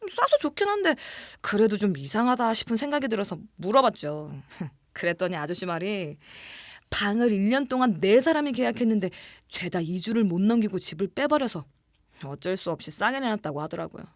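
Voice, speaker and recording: An actress playing a young office worker who recounts an eerie experience in a conversational way, in a horror audio drama. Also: female voice, medium pitch, no room sound, studio quality. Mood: chatty, uneasy. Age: young adult. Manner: conversational, animated narration with drawn-out murmurs and whispers.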